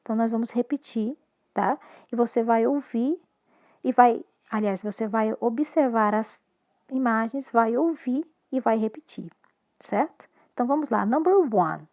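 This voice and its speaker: This is a woman teaching English in a recorded lesson, her Brazilian Portuguese accent audible as she switches between English and Portuguese. She's slow and clear, with a slightly high pitch and a darkish tone.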